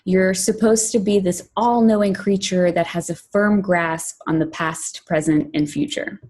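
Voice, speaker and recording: A woman from Poland, raised in New York, giving a prepared conference talk as a product director, measured and clear, with lists and emphasis. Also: on the low side, fairly even intonation, a little mellow. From Poland, raised in New York City.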